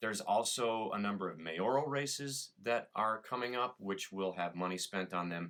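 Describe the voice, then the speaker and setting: With an American accent and an unremarkable speaking voice, a man talks with hardly any pauses at a fairly low pitch and ordinary pitch variation. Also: moderate pace. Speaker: voice actor. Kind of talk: casual talk to camera.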